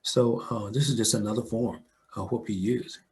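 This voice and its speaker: Older American man, low-pitched, reflective interview guest with a conversational storytelling manner. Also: steady tone, moderate pace, darkish tone, slight background noise. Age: older, 60s or above. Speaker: audio dramatist and filmmaker, interview guest.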